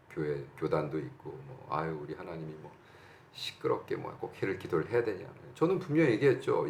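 Middle-aged Korean pastor, lively gravelly sermon delivery with roomy echo, emphatic. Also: male voice, on the low side, slight background noise. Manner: animated, emphatic, shouts out bursts and acts out quotes.

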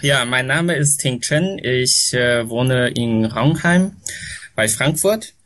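A middle-aged man from China, a podcast guest talking slowly and hesitantly, with many pauses and restarts. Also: mid-range voice, fairly bright tone. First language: Chinese. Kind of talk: casual podcast conversation. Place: home near an airport. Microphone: remote call from home.

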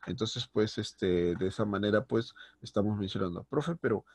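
A male secondary school teacher giving a recorded grammar lesson, explaining step by step and checking in often with quick tag questions. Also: fairly low pitch, steady tone, darkish tone, no room sound.

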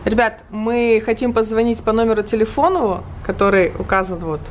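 A woman's voice: on the high side, normal speed, faint music behind. A woman travel vlogger chatting enthusiastically while walking outdoors in a city in winter, laughing often. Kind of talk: casual walking vlog narration.

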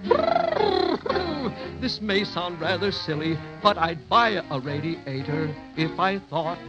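Chilly frost sprite song, brrr, slow and swoopy, old radio, music loud. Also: male voice, high-pitched, huge pitch swings, heavily acted. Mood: comic, shivering. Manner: sung in rhyme with shivering brrr's. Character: jolly male frost sprite singing a chilly comic song. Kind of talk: 1930s radio drama song. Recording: dull lo-fi 1930s transcription with loud music.

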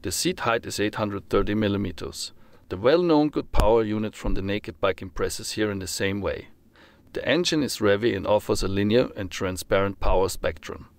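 A man reading a scripted motorcycle review as voice-over, in a steady, formal manner. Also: lowish voice, normal speed, no room sound. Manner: steady, formal read-through of technical details.

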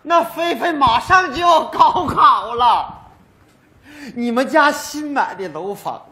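A man's voice: very high voice, lively intonation, slow, sharp tone, exaggerated voice. A man playing a stubborn, touchy old widowed father in a stage comedy sketch, grumbling and sarcastic. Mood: indignant. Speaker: sketch actor. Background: audience laughter.

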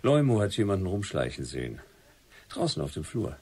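Wry amateur sleuth with swooping intonation. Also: male voice, deep voice, very animated, a little fast, a little mellow, breathy edge, heavily acted. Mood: inquiring. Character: inquisitive, wry male writer turned amateur sleuth. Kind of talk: German radio crime drama acting.

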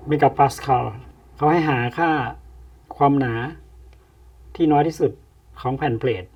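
A man teaching an engineering problem step by step, pausing often with fillers as he explains. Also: a little high, darkish tone. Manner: slow, explains with many pauses and fillers. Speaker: engineering tutor. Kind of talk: step-by-step lecture. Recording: distant, dull lo-fi mic.

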